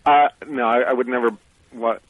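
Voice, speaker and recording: A man's voice: medium pitch, steady tone, moderate pace, slight background noise. A man in his late thirties calling in to a radio show, talking in a plain, earnest, slightly awkward way. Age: 30s. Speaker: caller. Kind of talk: phone-in chat. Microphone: telephone. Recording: tinny phone line.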